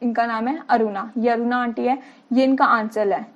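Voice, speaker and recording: A woman's voice: fairly high pitch, steady tone, normal speed, highs cut off. A woman teacher explaining memory tricks to students, asking questions and answering them herself while repeating key words. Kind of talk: mnemonic lesson for students.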